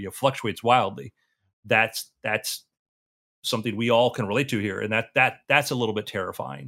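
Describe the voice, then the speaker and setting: A bright, sharp tone with vocal fry and ordinary pitch variation, on a very clean recording with a silent background. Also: man, medium pitch for a man, moderate pace. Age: 40s. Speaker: podcast host, tech worker. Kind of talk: casual chat.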